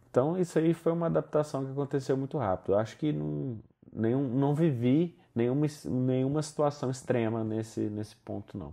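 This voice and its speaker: A man with a dark, mellow tone and a medium pitch talks at a moderate pace with lively intonation. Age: 20s. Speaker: entrepreneur, former exchange student. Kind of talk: casual interview chat. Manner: halting, many repetitions.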